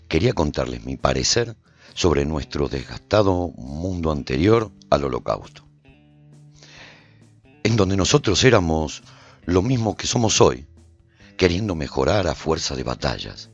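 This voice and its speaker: Deep-voiced, haunted warrior narrator. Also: male voice, husky, highs cut off, full character voice. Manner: solemn, theatrical, building to frantic intensity. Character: haunted male warrior recounting a post-apocalyptic battle, intense. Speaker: narrator and protagonist of a radio drama serial. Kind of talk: dramatic first-person scripted narration.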